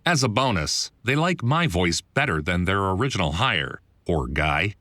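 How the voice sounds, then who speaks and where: A man's voice: sits low, sing-song, moderate pace, pushed and bright, dry recording. A man reading his own first-person book as scripted narration, in a wry, self-deprecating, conversational manner.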